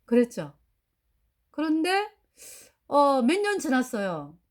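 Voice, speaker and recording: High, lively middle-aged woman storyteller. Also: slow pace. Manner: animated, acts out quoted dialogue, laughs often. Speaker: church member giving testimony. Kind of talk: personal testimony storytelling.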